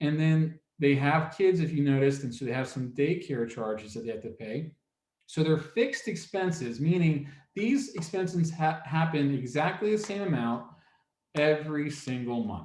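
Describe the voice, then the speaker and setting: With an American accent, a man speaks at a fairly high pitch with lively intonation and a somewhat breathy sound. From Virginia. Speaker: former banker, financial literacy presenter. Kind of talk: educational talk to young audience.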